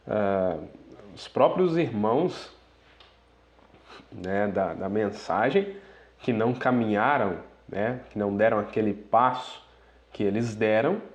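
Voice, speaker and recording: Preacher mixing readings and asides. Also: male voice, mid-range voice. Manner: reads quoted passages aloud and breaks in with asides, "né?", to the brethren. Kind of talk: sermon reading and commenting on quoted teachings.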